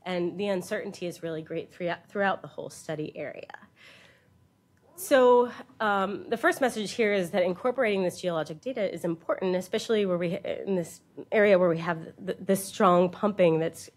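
A woman with a fairly low voice presents research to a conference. She explains step by step in an academic but informal way, as a keynote speaker would. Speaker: university researcher giving a keynote. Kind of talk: scientific conference lecture with slides.

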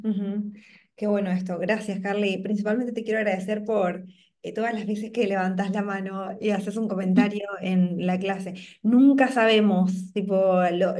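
A woman's voice: medium pitch, darkish tone. Thirties woman host, Rioplatense accent, encouraging interviewer, video-call laptop mic. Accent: Rioplatense Spanish. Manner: encouraging, thoughtful questions, fillers like "tipo".

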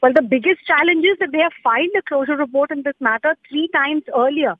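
An Indian-accented woman correspondent gives an unscripted live report in a high voice. She explains emphatically, repeating phrases, over a dry, band-limited phone line. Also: quick pace, dry recording. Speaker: news correspondent. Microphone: telephone. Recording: muffled narrow phone line.

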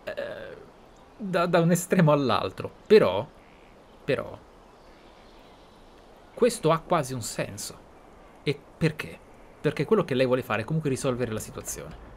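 A gaming streamer gives casual, reflective roleplay commentary as he plays a video game, explaining things and repeating words for emphasis. His medium-pitched voice has lively intonation and a measured pace with frequent pauses, over game sound and a little hiss or hum.

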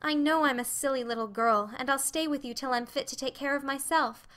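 A woman's voice: sits high, a little fast, fairly bright tone, voice pushed up. A woman voicing a bashful, earnest teenage girl confessing to her mother in a storybook reading. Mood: pleading.

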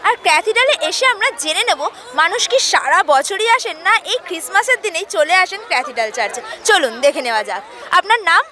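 A young Bengali woman reporter with a very high, bright voice that swings up and down a lot. She chats with people on a churchyard lawn, holding a handheld mic, and a faint crowd murmurs behind her. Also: fast talker. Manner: lively, chatty presenter. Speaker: street reporter and host. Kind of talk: vox pop street interview. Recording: outdoor crowd in the background.

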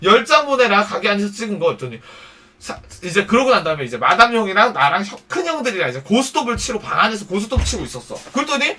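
A man casually telling a story on a livestream, swearing a lot and acting out each person's lines in quick back-and-forth. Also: high-pitched, big pitch swings, bright, forceful tone, recorded from a distance, slight background noise. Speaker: livestream streamer.

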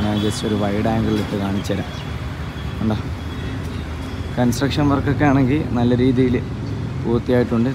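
A man walking through an empty building while filming, talking with eager enthusiasm and repeating stock words of praise. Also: mid-range voice. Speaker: vlogger. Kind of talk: walking tour vlog. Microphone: phone camera held while walking. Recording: phone recording with clear street noise.

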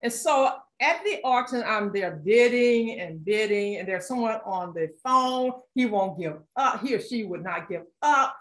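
A woman's voice: a little high, animated, unhurried, few pauses, roomy sound. A woman art collector from Philadelphia, talking casually as a guest at an author talk, with many fillers and restarts. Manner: chatty, many fillers and restarts, laughs often.

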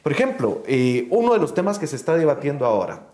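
A man's voice: fairly high pitch, very animated, fast talker, darkish tone, reverberant. A man, a guest on a panel debate, who lays out an analytical argument.

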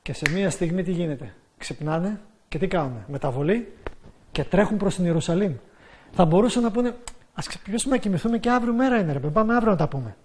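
A man preaching a sermon in an emphatic way, rising to loud exclamations. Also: high-pitched, animated, slight background noise.

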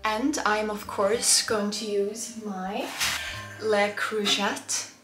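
A woman's voice: medium pitch, steady tone, drawn-out words, reverberant, music in the background. A woman in her twenties from Iceland, chatting enthusiastically while cooking in a small home kitchen, with lots of "like" and "honestly". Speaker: lifestyle vlogger. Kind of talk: casual cooking vlog chat.

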